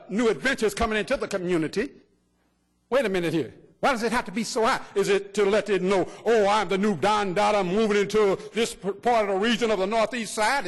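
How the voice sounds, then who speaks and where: High-pitched, combative activist, reverberant council chamber. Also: male voice, fairly bright tone. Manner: fiery, confrontational, rhetorical questions. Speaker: public commenter, political activist. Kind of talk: impassioned public comment. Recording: long reverb in large chamber.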